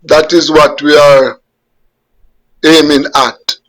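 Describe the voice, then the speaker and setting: A Jamaican man in his fifties or sixties, a veteran journalist, answering interview questions on a video call in a measured way, repeating words as he gathers his thoughts. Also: a little high, level tone, a bit bright, rough recording. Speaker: guest journalist. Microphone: webcam on a video call.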